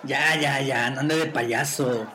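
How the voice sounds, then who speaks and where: A man's voice: mid-range voice, steady tone, slow pace, close to an everyday voice. A man playing a coarse, mocking street rogue in an amateur radio drama, talking back with rude scorn. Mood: scornful.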